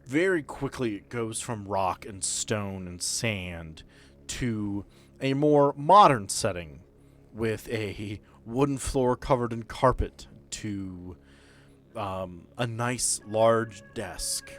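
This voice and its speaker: A man acting as game master, narrating a tabletop role-playing game in a deliberate, descriptive way with pauses mid-sentence. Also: fairly low pitch, fairly bright tone. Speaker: game master and host of an actual-play podcast. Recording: background music under the voice.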